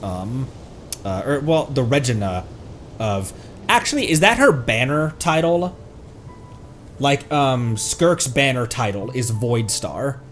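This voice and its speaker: A man giving casual livestream commentary on a game, musing aloud and rambling as he plays. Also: medium pitch. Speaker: VTuber game streamer. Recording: music playing behind the voice. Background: game music.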